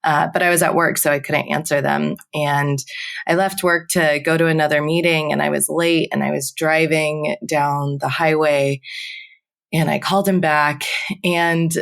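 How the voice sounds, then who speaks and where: A young woman in her twenties speaks low and gravelly as a podcast guest. She tells a personal story in an easy, conversational way. She often fills pauses with "like" and "um". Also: steady tone. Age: 20s.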